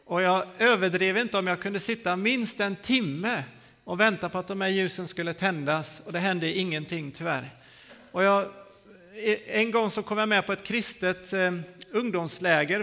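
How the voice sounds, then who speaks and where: Preacher, 40s, man; high gravelly voice with long church reverb, vivid storyteller. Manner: lively storytelling, acting out scenes. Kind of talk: sermon testimony. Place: church hall.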